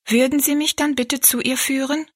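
A woman voicing an eager young girl in a storybook, speaking high and earnestly. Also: fairly even intonation, normal speed, no echo, studio quality, close to an everyday voice. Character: eager young girl searching for an old friend.

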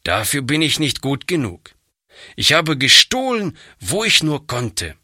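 A man's voice: a little high, wildly swooping pitch, measured pace, bright, forceful tone, breathy edge, no echo, clean studio sound, voice pushed up, full character voice. A man reading a storybook aloud, voicing a surly, defiant one-legged boy who grumbles bitterly. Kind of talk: audiobook reading.

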